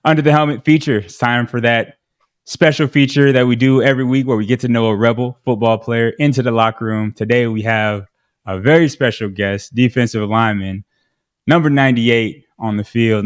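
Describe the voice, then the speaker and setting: A man's voice: medium pitch, fairly even intonation, moderate pace. A man hosting a sports pregame show, chatty and informal, firing off follow-up questions. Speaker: sports radio host.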